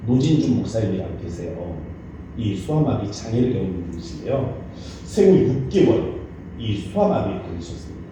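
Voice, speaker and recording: A male pastor preaching dramatically, swinging between loud urgent peaks and hushed low asides. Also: big pitch swings, moderate pace, noisy background. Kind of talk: sermon. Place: church sanctuary. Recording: echoey church hall, mic far off.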